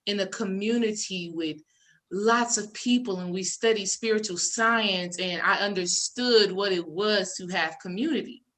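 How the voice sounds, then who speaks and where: A woman's voice: mid-range voice, unhurried, a bit bright. A woman in spiritual conversation, speaking in an effusive, affirming way.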